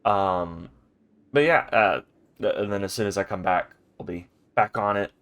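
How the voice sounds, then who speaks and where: A man's voice: on the low side, moderate pace, fairly bright tone. A man hosting a game playthrough in a rambling, chatty way, his voice congested from a stuffy nose, recorded at home. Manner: rambling, chatty, many ums and restarts. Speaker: let's play host. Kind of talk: casual gaming commentary. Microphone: home recording mic.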